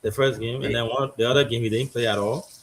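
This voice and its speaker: A male talk show host discussing politics in a relaxed, conversational manner. He thinks aloud, with fillers and restarts, at an ordinary middle pitch. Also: quick pace.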